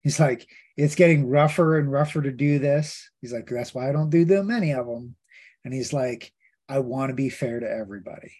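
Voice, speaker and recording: A man's voice: medium pitch, brisk, a little mellow. A man co-hosting a casual comics podcast, telling convention stories with lots of asides and quoted dialogue. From Pittsburgh. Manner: chatty, storytelling with many asides and quoted voices. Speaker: podcast co-host. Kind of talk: casual chat.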